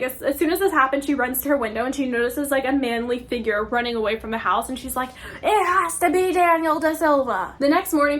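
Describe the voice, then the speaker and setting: Brief: young woman, high bright voice, book vlogger, chatty and exasperated, breezy recap. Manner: chatty, exasperated asides, acts out characters' quotes. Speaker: book reviewer. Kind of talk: casual spoiler plot summary.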